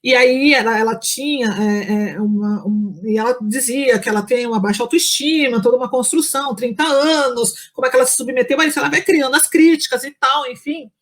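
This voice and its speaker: A woman's voice: sits high, a little fast, few pauses. A woman, a psychology professor, telling a story in a casual interview, chatty, full of fillers and restarts, acting out what people said. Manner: chatty, many fillers and restarts, acts out quoted speech.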